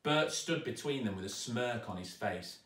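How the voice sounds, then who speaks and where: A man narrating a children's story aloud with dramatic, expressive delivery, recorded in a roomy space at some distance. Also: mid-range voice, normal speed. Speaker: storyteller, actor reading aloud. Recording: roomy echo, distant microphone.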